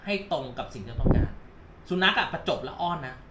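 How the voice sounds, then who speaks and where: A man working as a dog trainer, talking owners through a lesson at their home in an animated way and sometimes speaking the dog's thoughts aloud. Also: on the high side. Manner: animated, quick explanatory chatter that voices the dog's thoughts. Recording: echoey room with faint noise.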